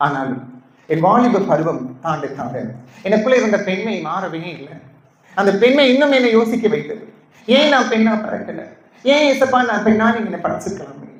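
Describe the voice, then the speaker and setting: A woman's voice: mid-range voice, lively intonation, normal speed. A trans woman preacher giving an emotional testimony to a congregation, pleading and asking the audience questions. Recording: echoey hall.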